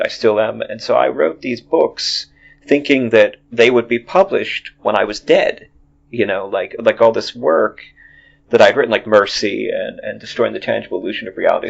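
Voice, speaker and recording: Gravelly-voiced man in his forties. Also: on the low side. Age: 40s. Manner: rambling, many restarts. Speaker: podcast host. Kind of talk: casual chat. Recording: dull lo-fi audio.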